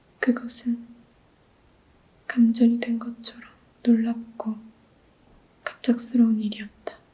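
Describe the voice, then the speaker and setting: A soft-spoken woman whispers in a soothing tone at a very slow pace, with long, frequent pauses. Noticeable background noise sits behind her. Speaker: actress, regular book-reading narrator. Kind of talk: whispered book reading for ASMR. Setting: studio ASMR recording. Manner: whispered, soft, soothing.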